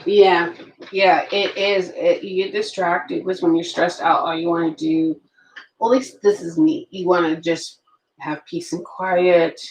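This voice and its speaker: Late-30s woman, planner vlogger, low and gravelly, chatty live-chat manner. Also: steady tone, a little slow, echoey room, poor audio. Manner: chatty, reacts to viewer comments. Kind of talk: rambling live chat while journaling. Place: at home.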